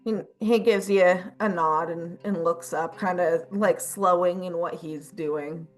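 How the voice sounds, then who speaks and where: Slow, easygoing woman game master. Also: lowish voice, soft background music. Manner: relaxed, hesitant narration with fillers. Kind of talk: narrating a tabletop game.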